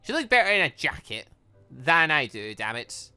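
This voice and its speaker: A man hosting a gaming video, thinking aloud and reading game dialogue in an excitable, animated way. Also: fairly high pitch, normal speed, clean tone, faint music behind. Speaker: gaming channel host.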